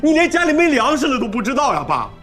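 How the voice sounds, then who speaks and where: A guilt-ridden young son in a TV drama, pleading with his father. His voice runs high and leaps up and down as he begs, raw and desperate. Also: big pitch swings, fast talker, fairly bright tone, faint music behind, exaggerated voice. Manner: desperate, pleading, tearful outbursts. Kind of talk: TV drama acting.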